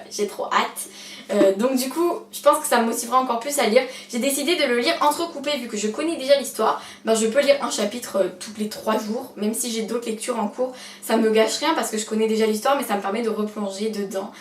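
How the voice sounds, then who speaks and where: A woman's voice: a little high, fairly quick. A young woman chatting to camera about her bookshelf, hesitant and self-mocking, full of fillers. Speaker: book vlogger. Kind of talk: casual chat to camera. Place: room at home beside her bookshelf. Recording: roomy echo, distant mic, faint hiss.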